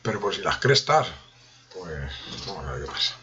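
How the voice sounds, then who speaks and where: A man's voice: deep voice, very animated, normal speed, sharp tone, muffled recording. Joking Spanish man muttering while waiting. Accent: Spain Spanish. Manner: joking running commentary to himself while waiting. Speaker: streamer coding with an AI. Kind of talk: casual live-stream chat.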